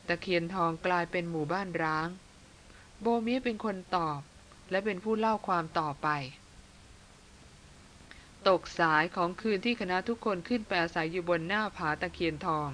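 A woman's voice: on the low side, slight background noise. Woman narrating an adventure audiobook. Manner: steady, measured storytelling with read-out punctuation. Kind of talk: audiobook reading of an adventure novel.

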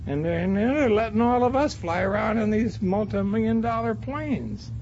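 A man's voice: high voice, normal speed. An older American man, a war veteran, reminiscing casually and acting out remembered exchanges as he tells his story. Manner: animated storyteller, acts out remembered dialogue. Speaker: war veteran, former bomber crew member. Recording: dull lo-fi interview recording, faint noise.

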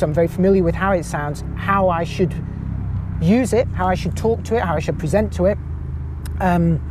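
Man, high tenor voice, chatty podcast guest, self-mocking, light street noise behind. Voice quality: high-pitched voice. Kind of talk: casual chat.

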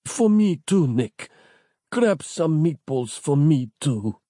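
A man voices a cop's severed head in a storybook, higher than his own voice and strained. It croaks and gasps through every word, each breath barely there. The sound is close and dry. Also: sing-song, takes it slowly, dark tone, no room sound. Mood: gasping. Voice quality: croaking, gasping. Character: dying severed head of a gruff male cop.

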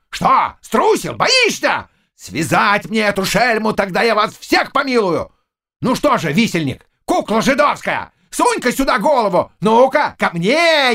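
A man's voice: very high voice, vocal fry, pushed and bright, pitched above the performer's own voice, exaggerated voice. A man voicing a boastful old nobleman who bellows curses and threats in a rage. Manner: bellowing, cursing, mocking.

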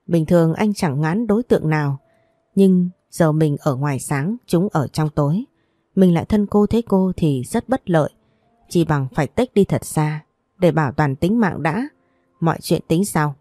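A woman reading a story aloud in a steady, even narration. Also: low voice, a little slow, no room sound, faint music behind.

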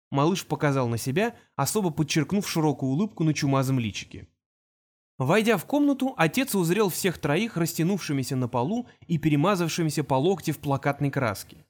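A man reading an audiobook aloud with expressive, lively intonation. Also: on the high side. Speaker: audiobook narrator. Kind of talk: scripted narration.

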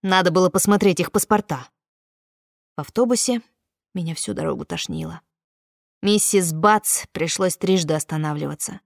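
A woman's voice: lowish voice, big pitch swings, moderate pace, long pauses, no echo. A woman narrating a novel in the first person as an audiobook reader, close to the mic.

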